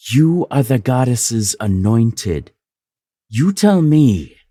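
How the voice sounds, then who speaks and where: An actor playing a pompous, impatient royal priest who recites prophecy with haughty ceremony in a fantasy audio drama. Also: male voice, medium pitch, very animated, slow pace, mellow, dry recording, clean studio sound. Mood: haughty, dismissive.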